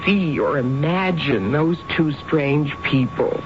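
An actress playing an anxious, troubled housewife with a hesitant, earnest delivery in a 1970s radio drama. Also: female voice, low-pitched, expressive, slow. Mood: distressed. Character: anxious, troubled housewife confiding in her friend. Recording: dull, noisy 1970s radio broadcast.

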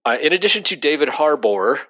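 A man's voice: on the high side, big pitch swings, fairly quick, fairly bright tone. A man co-hosting a casual movie podcast, rambling and restarting his sentences and laughing often. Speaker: podcast co-host.

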